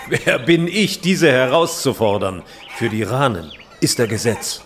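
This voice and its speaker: Actor as a formal, animated medieval trader. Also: male voice, medium pitch, a little slow, a little hiss or hum, lightly acted. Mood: cautioning, genial. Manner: formal, archaic, descriptive. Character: knowing, formal, cautionary male medieval trader. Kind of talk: historical audio drama dialogue.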